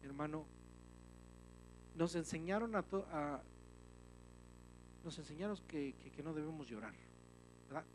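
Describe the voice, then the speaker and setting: A male pastor delivers an emphatic sermon, his slightly high voice rising loud and then dropping to a hush. He often turns to his listeners and calls them brother. A faint hum of background noise runs underneath. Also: unhurried, pauses often, poor audio. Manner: emphatic, with swings from loud to hushed; often addresses listeners as "hermano".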